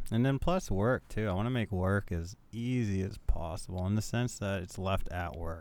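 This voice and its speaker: A man with a Canadian accent has an unremarkable speaking voice. His pitch is fairly low, with ordinary pitch variation. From Manitoba, Canada (First Nations). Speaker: podcast guest. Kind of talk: casual chat. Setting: outdoors.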